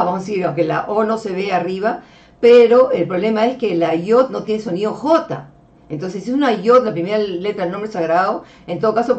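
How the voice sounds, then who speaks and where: A woman with a mid-range, darkish voice gives a religious lecture over slides, explaining things patiently and calling her listeners beloved brethren. As a religious teacher, she keeps checking in with "ok?" and uses "este" as a filler. The mic sounds distant and dull.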